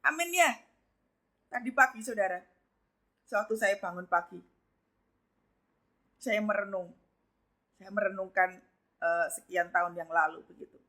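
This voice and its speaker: A woman's voice: mid-range voice, unhurried, long pauses, bright, forceful tone. A woman preacher giving a live devotional sermon, emphatic and often addressing her listeners directly. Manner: emphatic, repeatedly addressing listeners as brothers and sisters.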